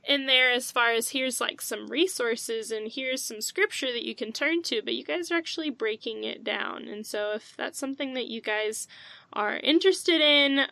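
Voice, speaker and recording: A woman's voice: a little high, creaky, bright, forceful tone, no room sound. A woman in her twenties hosting a casual faith podcast, bubbly and enthusiastic, laughing often. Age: 20s. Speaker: podcast host.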